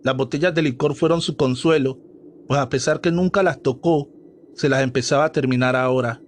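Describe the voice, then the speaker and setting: A man's voice: mid-range voice, fairly quick, a little hiss or hum. Male storyteller narrating horror tales. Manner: dramatic, steady storytelling.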